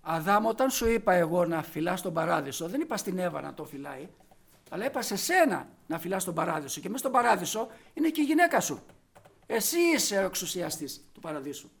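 A man preaching a sermon, fervent, rising to loud emphatic peaks. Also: high-pitched, sing-song, vocal fry, slightly rough.

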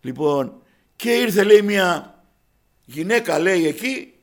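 A male preacher with a high-pitched voice delivers a sermon as a story. He addresses the congregation as brothers and slips into the voices of the people he quotes. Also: expressive. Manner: acts out dialogue in quoted voices.

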